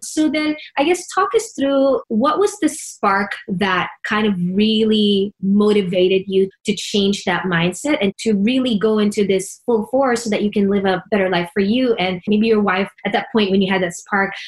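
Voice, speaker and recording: A woman talks at a medium pitch and moderate pace, somewhat breathy, with ordinary pitch variation, very even loudness and hardly any pauses. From Philippines. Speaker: podcast co-host. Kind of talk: casual chat.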